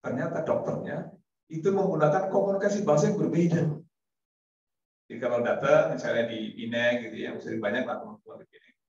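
A preacher with a mid-range, somewhat dark voice gives a casual sermon to a congregation in a mosque hall, speaking a bit fast. He's chatty, laughs a lot and acts out little dialogues. The recording is dull and echoey, captured from far off in the hall.

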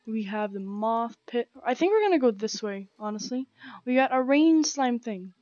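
A young woman with a croaky, sore throat, rambling casually as she plays and comments on a game, full of slang and fillers. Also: a little high, animated, normal speed, a little mellow, no room sound, muffled recording. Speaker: gaming channel host. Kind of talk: casual let's-play commentary. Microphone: gaming headset.

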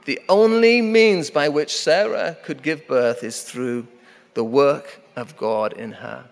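A man's voice: on the high side, gravelly. Middle-aged man preaching in a reverberant church. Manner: emphatic, repeating key phrases, slowing down for weight. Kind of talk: sermon. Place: church sanctuary at a wooden pulpit. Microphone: pulpit microphone. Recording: long hall reverb of a church.

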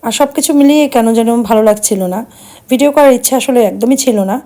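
Middle-aged woman, somewhat high voice, soft and subdued, sad and tired, casual vlog narration. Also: a little fast. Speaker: vlogger.

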